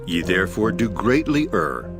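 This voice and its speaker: Man acting solemn low-voiced Jesus, expressive teacher. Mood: stern, reproving. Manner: solemn, measured, declarative. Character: Jesus, calm authoritative male teacher rebuking and instructing. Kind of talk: dramatized scripture reading. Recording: voice over prominent background music.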